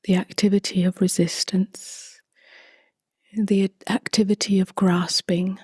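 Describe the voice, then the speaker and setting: A woman leading a guided meditation in a soft, breathy half-whisper, with calm, gently spaced phrases. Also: medium pitch, unhurried, no room sound, clean studio sound. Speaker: meditation teacher.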